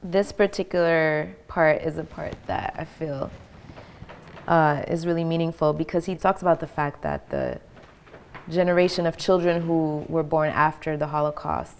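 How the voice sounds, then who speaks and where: Low-voiced woman, thoughtful and measured. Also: a little hiss or hum. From Belgium. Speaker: writer and translator. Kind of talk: documentary interview. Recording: clear music underneath.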